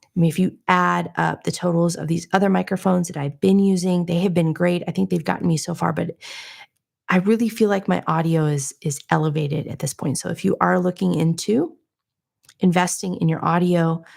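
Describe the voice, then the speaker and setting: A soft-spoken woman in her home studio, explaining her audio setup in a conversational, explanatory way. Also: on the low side, steady tone, moderate pace, creaky. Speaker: audio gear reviewer. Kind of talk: livestream gear demo. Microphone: changing between studio mics.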